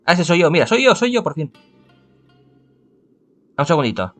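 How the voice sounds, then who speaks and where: A man from playing a visual novel, reading the text aloud and thinking out loud between choices. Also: on the high side, big pitch swings, soft background music. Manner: chatty, thinks aloud, halting restarts. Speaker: let's-play host.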